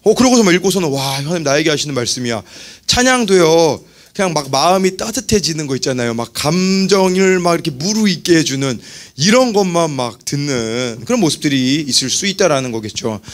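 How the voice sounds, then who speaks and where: A man in his thirties preaching a youth worship sermon as pastor, animated and acting out little quoted scenes. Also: on the high side, a little fast.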